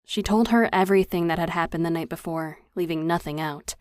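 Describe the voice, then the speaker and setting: A woman narrating a novel at a measured, even storytelling pace, her voice pitched on the low side. The recording sits close to the mic and is completely dry, with no room sound. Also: no echo. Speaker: audiobook narrator. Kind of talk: scripted narration.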